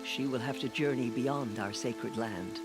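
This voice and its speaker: A woman playing a solemn, reverent old tribal matriarch in a video game, with a gravelly, aged voice. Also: a bass voice, unhurried. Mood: solemn, urgent. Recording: loud music behind the voice.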